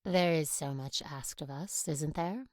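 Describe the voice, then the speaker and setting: A woman acts out a stern Catholic teaching sister in an audio drama. Her voice is on the low side and very unhurried, with formal, careful phrasing in a dry recording. She admonishes with controlled, falsely tender authority. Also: darkish tone, dry recording. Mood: softly confiding.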